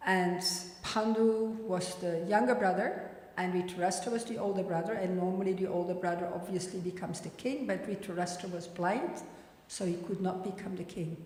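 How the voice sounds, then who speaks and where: A woman's voice: fairly low pitch, a little mellow. A woman teaching a scripture class, reading and explaining in plain, informal words. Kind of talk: scripture lecture with recitation and explanation. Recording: very echoey, reverberant hall.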